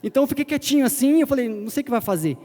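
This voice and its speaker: Pastor guy telling a story in his sermon, really high voice, long echo. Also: expressive, racing, mellow. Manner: conversational, retells a personal story acting out short quotes. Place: church hall. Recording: long hall reverb.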